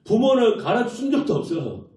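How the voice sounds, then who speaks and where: A man preaching a sermon as pastor, lively and full of rhetorical questions to his congregation, recorded from a distance in a church. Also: high voice, moderate pace. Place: church sanctuary. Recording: echoey church hall, distant mic, dull lo-fi.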